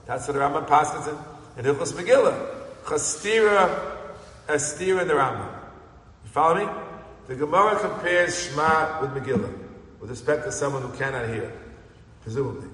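A man with an American Yeshivish accent, teaching a Talmud class in a lively way and chanting the text he reads. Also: on the high side, normal speed, pauses often. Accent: American Yeshivish English with Hebrew and Aramaic terms. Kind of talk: Talmud lecture. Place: synagogue study hall. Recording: echoey hall recording.

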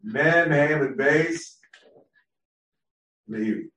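A man leading a Talmud class, thinking aloud and reading out sources with quick asides. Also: on the high side, fairly bright tone, echoey room, distant mic, poor audio. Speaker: Talmud teacher. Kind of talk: text-based Talmud class.

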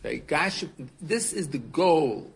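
A man's voice: fairly high pitch, sing-song, slow, gravelly. A man in his seventies, a rabbi teaching a class in a casual, earnest way, often repeating words and asking his students questions. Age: 70s.

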